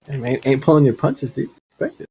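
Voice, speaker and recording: A man's voice: mid-range voice, very animated, fast, a little mellow, breathy edge. A man playing a tabletop role-playing game, bantering casually, with noise behind him.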